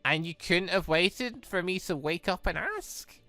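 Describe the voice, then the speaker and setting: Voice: mid-range voice, expressive, measured pace, pushed and bright, no room sound, soft background music. A British performer voicing a protective, suspicious young woman in a visual novel. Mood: stern, protective. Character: protective, suspicious young redhead girl, guarded.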